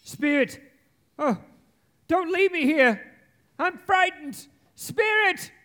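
A man's voice: extremely high pitch, lively intonation, takes it slowly, full character voice. A man playing a frightened, humbled old miser in a live radio play, earnest and pleading in a theatrical manner. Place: theatre stage before live audience. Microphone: shared stage microphone. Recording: stage recording with loud music behind.

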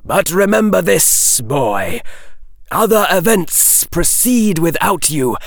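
A man's voice: high voice, big pitch swings, slow, creaky, no echo, pitched above the performer's own voice, heavily acted. A man voicing a cunning male snake that hisses in clipped, broken sentences. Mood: cold, urging. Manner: hissing clipped broken speech.

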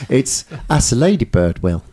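A man's voice: medium pitch, big pitch swings, moderate pace, mellow, slightly rough. Guy, blunt and teasing, swears a lot, laid-back chat. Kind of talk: casual chat.

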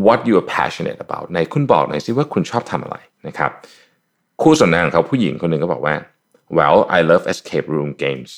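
A man hosts his own podcast alone, walking listeners through an idea in a friendly, chatty way. His voice sits low, yet it swings up and down a lot as he explains. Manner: chatty, explains step by step with many polite particles. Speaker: podcast host.

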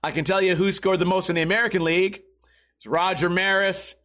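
A man hosting a podcast stream in casual chat, hoarse from losing his voice, talking in a loose, rambling and profane way. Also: high voice, steady tone, brisk, fairly bright tone.

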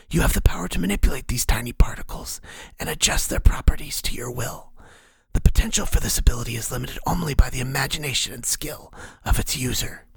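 A man voicing an urgent mentor figure in a breathy whisper, insistent and instructive. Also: fairly high pitch, fairly bright tone, no echo, voice pushed up, exaggerated voice.

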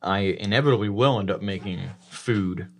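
A man co-hosting a podcast, telling casual anecdotes in an animated way. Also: fairly low pitch, moderate pace, a little hiss or hum. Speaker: podcast co-host.

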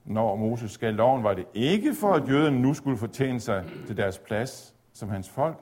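Husky man lecturing, lively pitch. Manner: measured, explanatory, with occasional fillers and restarts. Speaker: lecturer on theology. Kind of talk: spoken lecture on Luther's reading of Galatians.

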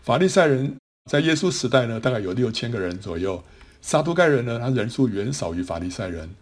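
A man's voice: medium pitch, sing-song, a little fast. A man teaching a Bible class, explaining step by step with many trailing particles and small restarts. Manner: explanatory, frequent sentence-final particles and restarts.

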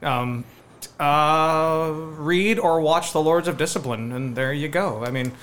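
A man's voice: fairly high pitch, unhurried, a bit bright. A man in his thirties from the Chicago area with an American accent, chatting casually in a wry, self-deprecating, rambling way as a podcast guest. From suburban Chicago, United States. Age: 30s. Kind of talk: casual, joking chat.

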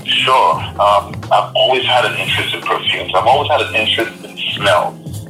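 A man from Trinidad and Tobago, a podcast guest, telling stories in a relaxed, casual way with many restarts. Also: lowish voice, moderate pace, over loud music, rough recording. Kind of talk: casual interview storytelling.

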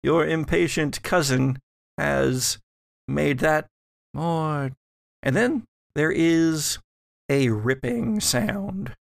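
A man narrating a tabletop horror game as game master, deliberately and with dramatic pauses. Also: fairly high pitch, gravelly, dry recording, clean studio sound.

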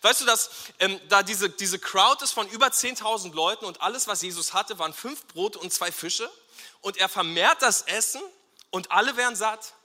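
A man preaching a lively sermon to a congregation, acting out short quoted exchanges and asking the audience to repeat words. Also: high voice, long reverb tail. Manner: acts out Jesus and bystanders in quick quoted asides. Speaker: pastor.

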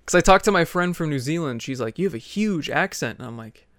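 A young man hosting a casual podcast, easygoing and curious, often trailing off quietly. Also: fairly high pitch, expressive, a little fast, no room sound, clean studio sound. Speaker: podcast host.

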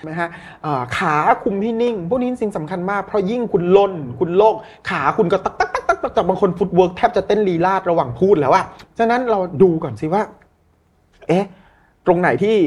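Husky man coaching with animated energy. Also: high-pitched, fairly quick. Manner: animated, demonstrative, with polite particle endings. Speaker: communication coach, guest. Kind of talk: conversational coaching talk.

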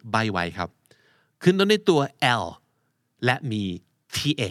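Podcast host, male, lively teacher's voice, patient spelling, dry booth sound. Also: medium pitch, no echo. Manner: explains words slowly, spells letters aloud. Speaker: English vocabulary podcast host. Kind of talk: podcast vocabulary lesson.

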